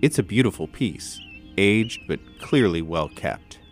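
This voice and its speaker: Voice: sits low, lively intonation, unhurried. A game master with a storyteller's delivery, giving dramatic narration for a tabletop horror game. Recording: prominent music under the voice. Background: music.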